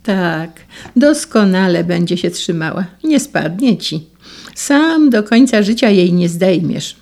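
A woman reading the part of an old male blindfold maker who gives warm, earnest counsel in a storybook reading. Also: mid-range voice, animated, measured pace, vocal fry.

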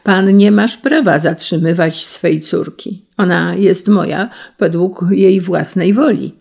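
A reader voicing a bold young officer who speaks firmly and defiantly, with a gravelly voice. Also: mid-range voice, fairly even intonation, unhurried, darkish tone, full character voice. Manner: firm, defiant.

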